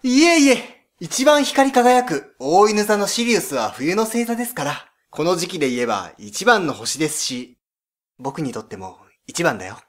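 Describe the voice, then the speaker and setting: A man voicing a polite, devoted young man in a scripted educational story, speaking earnestly and gently. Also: high voice, big pitch swings, moderate pace. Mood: tender, earnest.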